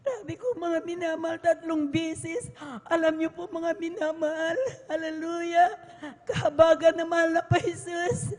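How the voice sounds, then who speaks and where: A woman's voice: very high voice, steady tone, normal speed, darkish tone. An older woman giving an emotional church testimony, tearful and pleading, often addressing the congregation fondly, in a church hall. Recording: long reverb of church hall.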